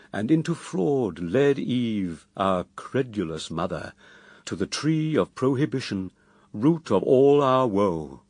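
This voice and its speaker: A male narrator with a low voice reads epic poetry for a radio drama. His delivery is slow and expressive, ranging widely in pitch, in a close, dry studio sound. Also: slightly rough, no room sound.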